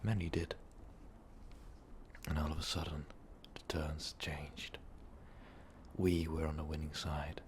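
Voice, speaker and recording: A man playing an ancient, brooding vampire overlord in a slow, halting, breathy half-whisper for an ASMR roleplay. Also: a bass voice, level tone. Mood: grim recounting. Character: ancient brooding male vampire overlord confessing his dark past. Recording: noticeable background noise.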